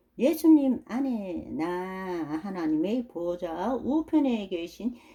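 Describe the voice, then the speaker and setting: In a strong Gyeongsang accent, a woman speaks at a very slow pace with a dark, mellow tone and very wide pitch swings. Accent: strong Gyeongsang (Daegu). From South Korea, Daegu. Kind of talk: devotional sermon-style talk.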